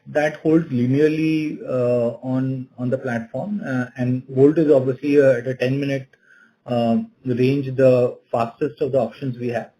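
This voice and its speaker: A man answering as a company executive on an earnings call, halting and repeating words. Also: mid-range voice, warm tone, lo-fi sound.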